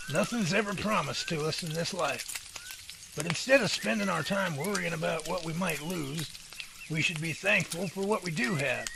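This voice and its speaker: Gravelly folksy outdoorsman philosopher played by a man, noisy recording. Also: sits high. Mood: earnest, philosophical. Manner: folksy, measured, speechifying.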